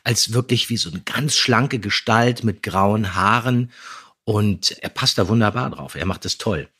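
A man's voice: lowish voice, unhurried, pushed and bright, slightly rough. A man co-hosting a podcast in casual review chat, giving his opinions emphatically. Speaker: podcast co-host.

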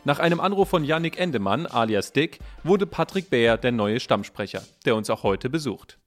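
A man reading a scripted podcast introduction in a measured presenter's manner. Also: mid-range voice, animated. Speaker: narrator of an introduction segment. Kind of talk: scripted narration. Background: soft music.

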